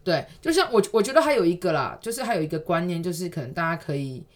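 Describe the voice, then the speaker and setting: A woman's voice: lowish voice, lively intonation, fast talker. A woman with a Taiwanese accent giving casual conversational advice in an explanatory, emphatic way, often repeating phrases for emphasis.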